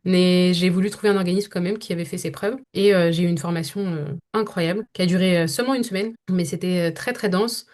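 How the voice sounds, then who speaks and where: A young voice-over actress, a native French speaker, answers podcast interview questions about her work in a fairly low, darkish voice. Her intonation is fairly even and her pace quick with hardly any pauses, yet she thinks aloud, often stopping and restarting her sentences.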